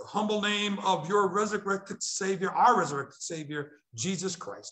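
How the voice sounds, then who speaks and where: A man projects his voice loudly at a moderate pace with ordinary pitch variation. The background is quiet. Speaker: pastor. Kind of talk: sermon opening prayer. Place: church.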